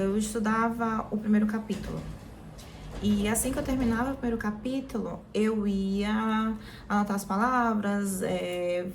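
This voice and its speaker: A Brazilian woman in her thirties speaks in a soft, warm, mellow voice. She walks through her own experience in a casual vlog, often stopping to restart her sentences. Faint background noise hums under the recording. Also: medium pitch. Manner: relaxed, frequent fillers and restarts. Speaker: vlogger.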